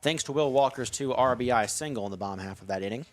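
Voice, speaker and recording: A young man calling a baseball game on the radio from a ballpark press box, steady in tone and lifting his voice on big plays. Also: mid-range voice, fast talker, no room sound. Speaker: play-by-play announcer.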